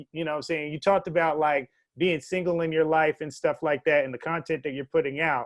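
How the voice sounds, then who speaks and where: In a New York accent, a man speaks very fast with a fairly high pitch. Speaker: music industry interviewer. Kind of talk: interview.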